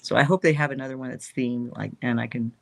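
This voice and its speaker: Woman, interview guest, chatty and rambling, laughs a lot, gravelly fry. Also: extremely low pitch, fairly even intonation, fast talker. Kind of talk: casual interview.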